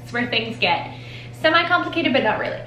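She's in her forties, vlogging from a home nail studio with polish-lined shelves, and her casual chat to the camera is rambling and self-deprecating. The voice is a little high, very animated, brisk, and sharp in tone, recorded in an echoey room with a little hiss or hum.

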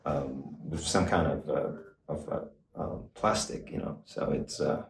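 Older guy, really low voice, lots of ums, echoey backstage room. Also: creaky, distant mic. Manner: halting, many fillers and restarts. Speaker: guitar expert guest. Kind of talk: casual explanatory talk. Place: small backstage room indoors. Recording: roomy, off-mic, faint noise.

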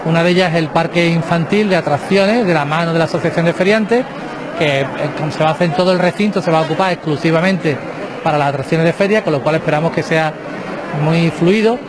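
Middle-aged mayor listing plans. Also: male voice, a little high, a crowd in the background, noisy background. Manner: brisk, listing plans point by point. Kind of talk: interview answers. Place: inside a small chapel by the altar. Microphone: handheld reporter mic. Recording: clear chapel ambience behind.

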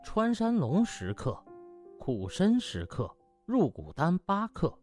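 A pompous, touchy male doctor played by a male narrator, with wildly swinging pitch. He is a blustering audiobook rival, over music. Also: wildly swooping pitch, takes it slowly, darkish tone, full character voice. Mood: smug reciting. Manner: pompous, blustering, obsequious to superiors. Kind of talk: audiobook character acting. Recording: music behind the voice.

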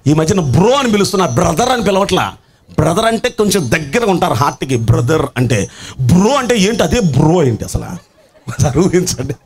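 A middle-aged male pastor telling a story in his sermon, in an animated way and mixing in English words. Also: on the high side, brisk, slightly rough.

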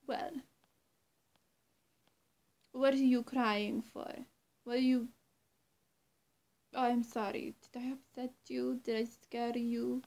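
A young woman playing a menacing, two-faced female vampire in a roleplay, halting and often breathy, sweet one moment and threatening the next. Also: a little high, mellow, full character voice. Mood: mock sweet. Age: young adult. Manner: halting, teasing threats with long pauses, often dropping to breathy near-whisper. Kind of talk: roleplay addressed to the listener. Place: small room at home, indoors.

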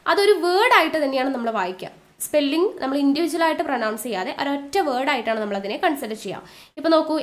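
A woman teacher with a Malayali accent giving a recorded exam-prep lesson, asking questions and answering them herself, and repeating key terms slowly. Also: high-pitched, a bit bright.

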